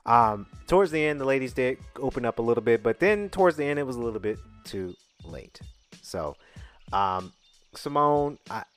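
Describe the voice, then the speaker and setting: A man's voice: mid-range voice, expressive, normal speed, soft background music. A man in his twenties co-hosting a podcast, rambling casually, bluntly and with profanity, often asking "right?". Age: 20s. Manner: chatty, keeps asking "right?". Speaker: podcast co-host.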